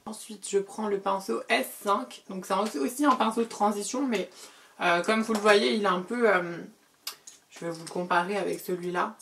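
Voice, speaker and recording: A middle-aged woman giving a casual makeup tutorial as a beauty vlogger, chatty, repeating words and filling pauses. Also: medium pitch, fairly bright tone, a little hiss or hum.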